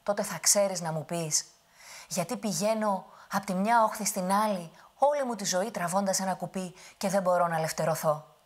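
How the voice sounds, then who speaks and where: A woman voicing a sad, weary boatman, with a husky voice. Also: medium pitch, close to an everyday voice. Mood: plaintive.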